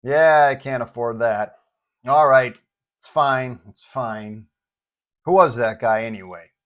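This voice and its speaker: A man's voice: mid-range voice, slow, lightly acted. Exasperated male superhero, acted by a male narrator, storybook hero with a dramatic, complaining streak, irritable and easily rattled. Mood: resigned.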